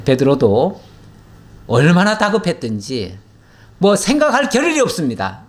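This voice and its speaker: Male pastor, fairly high voice, very animated pitch, chatty Bible teaching with questions to the congregation. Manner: conversational, asks the listeners questions; reads scripture in an old formal register.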